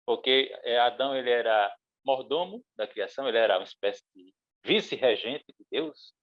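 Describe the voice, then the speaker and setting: A man with a Brazilian accent leads a Bible lesson discussion. He speaks at a middle pitch, thinks aloud and halts to find his words. The recording has a slightly dull, lo-fi sound. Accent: Brazilian Portuguese. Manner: thoughtful, with many pauses and fillers. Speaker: podcast host and Sunday school teacher. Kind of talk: church teaching podcast discussion.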